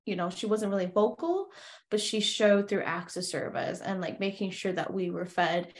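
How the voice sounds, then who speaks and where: A young woman hosts a casual podcast conversation. She talks in a loose, chatty way, restarting her sentences and filling pauses. Her voice sits in an ordinary middle range. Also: mid-range voice. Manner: chatty, many fillers and restarts. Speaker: podcast host. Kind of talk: casual interview chat.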